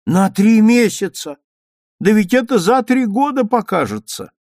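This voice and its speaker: Guy doing a grumbly worried old granny, voice jumps up high, all over the place, dry sound. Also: animated, darkish tone, dry recording, natural voice. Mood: alarmed. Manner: grumbling, fretful, quick to scold. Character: fussy anxious old grandmother.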